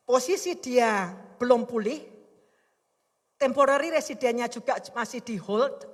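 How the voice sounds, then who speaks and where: A woman's voice: high-pitched, fairly bright tone. A middle-aged woman pastor preaching a sermon with emphatic, heartfelt delivery. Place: worship service in a hotel hall. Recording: long hall reverb.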